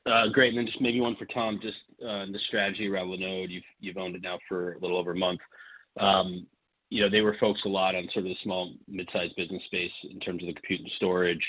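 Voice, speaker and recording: A man's voice: deep voice, level tone, fast talker, husky. A man calling in as a financial analyst to ask questions on an earnings call, conversational and hedging. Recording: muffled narrow phone line.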